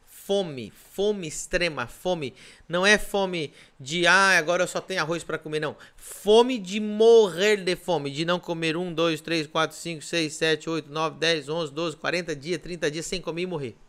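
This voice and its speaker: A man's voice: on the high side, unhurried, a bit bright. A Brazilian man, a pastor, preaching on a podcast in an emphatic way, repeating his points and firing off rhetorical questions. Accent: Brazilian Portuguese.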